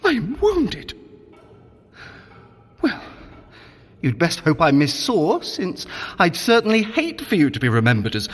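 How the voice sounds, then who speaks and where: A sly, theatrical trickster god in an audio drama, heard in a reverberant hall. The delivery swings dramatically up and down, wordy and pompous, full of teasing mock innocence. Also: male voice, high-pitched, huge pitch swings, takes it slowly, long pauses, slightly rough, exaggerated voice. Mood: wheedling, dramatic. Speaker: guide of a training adventure.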